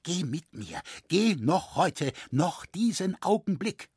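A man's voice: medium pitch, sing-song, a little slow, slightly rough, dry recording, clean studio sound. A man voicing an anxious old male woodcarver who pleads with agitation. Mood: pleading. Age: older.

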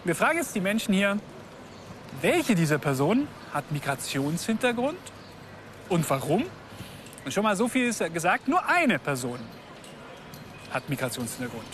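A man hosting a street report, chatty and quick to laugh, talking to passers-by in a city centre. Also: high-pitched, slight background noise. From Germany. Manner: lively, chatty, laughs easily. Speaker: host. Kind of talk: street reportage and casual interviews.

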